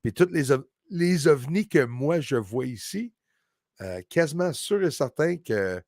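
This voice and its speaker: A man's voice: fairly high pitch, expressive, moderate pace, darkish tone, no room sound, studio quality. Chummy, rambling man on a livestream. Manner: enthusiastic, rambling, chummy with listeners. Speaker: livestream host. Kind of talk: casual livestream chat with viewers.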